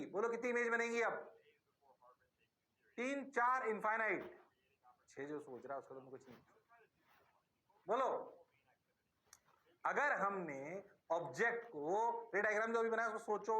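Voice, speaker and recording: A male teacher giving a lecture, animated and playful, coaxing the class by asking the same question again and again. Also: fairly high pitch.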